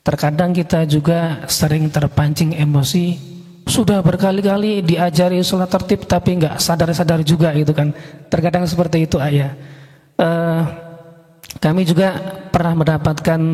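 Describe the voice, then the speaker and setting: A man's voice: a little high, mellow. A man from the audience politely asking the preacher a question, hesitating with fillers. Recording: echoey hall.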